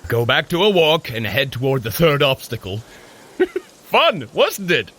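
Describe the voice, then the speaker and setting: An actor playing a boisterous, jovial Norse warrior god who coaches a mortal runner in a scripted audio drama. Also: male voice, very animated, measured pace, fairly bright tone. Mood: amused. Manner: jovial, theatrical, booming commands. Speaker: fitness trainer guiding a run.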